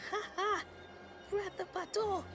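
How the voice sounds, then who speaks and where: A man voicing a gentle, friendly tribal companion with a piping voice and stilted, simple phrasing over music. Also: very high voice, little pitch movement, slow, pitched above the performer's own voice. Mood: friendly, admiring. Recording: loud music behind voice.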